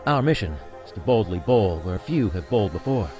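A man puts on a heroic space captain in a parody audio drama. He delivers grandiose log entries in a fairly low, dramatically varied voice over soft music. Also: animated, brisk, close to an everyday voice. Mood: pompous, dramatic. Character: pompous, heroic starship-captain parody leading bowling team. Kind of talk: sci-fi parody narration.

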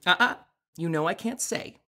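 A woman's voice: fairly low pitch, expressive, normal speed, bright, forceful tone. A woman playing an earnest, slightly prim young male clerk, a dutiful twin brother, in an audio drama. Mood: earnest, weary.

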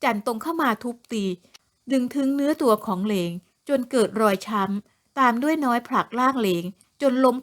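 A woman narrating an audio novel in a steady, even reading voice. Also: fairly high pitch. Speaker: storyteller.

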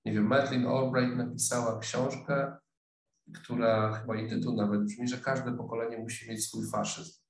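Lecturing online via webcam from his office, a middle-aged sociologist sounds thoughtful and hesitant, with many fillers and restarted sentences. His ordinary-pitched voice is level and creaky, the room gives a clear echo, and there's a little hiss or hum.

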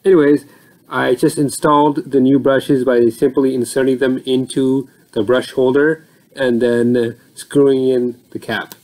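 A man's voice: medium pitch, darkish tone, poor audio. A man explaining a motor repair over his footage in a plain, explanatory way, with occasional fillers. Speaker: repair channel host.

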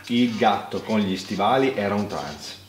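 A man's voice: on the low side, animated, moderate pace, faint music behind. A man in his thirties, a guest chatting casually and playfully in a room at home. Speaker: guest in a lip-reading game. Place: home living room with staircase, indoors. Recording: echoey room with background noise.

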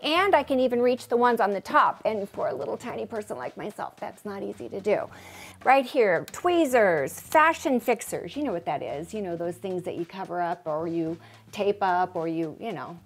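A woman's voice: medium pitch, animated, moderate pace. A woman in her fifties giving a chatty, self-joking tour of her newly organized closet, talking straight to the camera. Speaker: home organizing vlogger. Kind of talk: casual chatty home tour. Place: bedroom closet in a home, indoors.

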